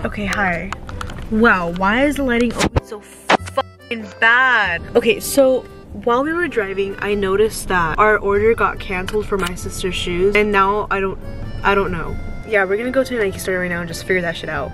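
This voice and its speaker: A woman's voice: mid-range voice, normal speed. A woman in her twenties chatting casually and swearily to a camera held at arm's length in a car. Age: 20s. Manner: informal, sweary. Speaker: vlogger. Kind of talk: casual vlog chat to camera. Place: inside a car. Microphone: handheld camera at arm's length. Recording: music bed over in-car camera audio. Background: music, car sounds.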